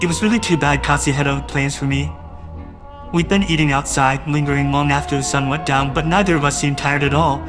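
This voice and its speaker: Guy narrating his own story, kinda high voice, music playing under. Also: fairly even intonation, brisk. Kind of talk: first-person audio drama narration.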